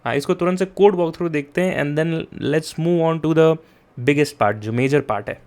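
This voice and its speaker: A young man explains coding in an easy, chatty way. He keeps turning to his students to check they are following, and he goes slowly so they can take notes. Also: on the high side, a little mellow, clear, resonant tone. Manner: mixes Hindi and English, chatty with frequent "yaar" and "theek hai?"; addresses students directly and urges them to take notes. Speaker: coding tutor. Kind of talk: casual explained lesson.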